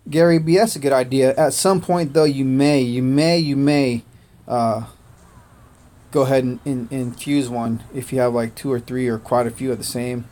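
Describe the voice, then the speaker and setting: A man born in Korea whose first language was Korean, chatting casually on a game livestream, thanking viewers by name and filling pauses with "uh" and "man". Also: mid-range voice, fairly even intonation, a little mellow. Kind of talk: casual gaming livestream chat.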